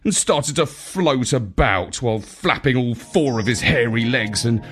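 A man narrating a children's space story in an expressive, dramatic, measured way, as a wry dog adventurer. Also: mid-range voice, husky.

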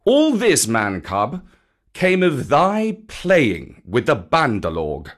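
A man's voice: medium pitch, huge pitch swings, slow, full character voice. A man voicing a proud, stern black panther in a storybook, scolding in an emphatic, aggrieved way. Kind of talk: dramatic storybook character acting.

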